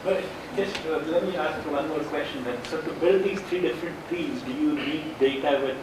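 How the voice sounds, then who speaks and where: Guy in the audience restating stuff to clarify, super echoey, loud noise behind him. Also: on the high side, normal speed, far from the mic. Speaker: audience questioner. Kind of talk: technical discussion from the floor. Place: room, speaking from audience away from mic.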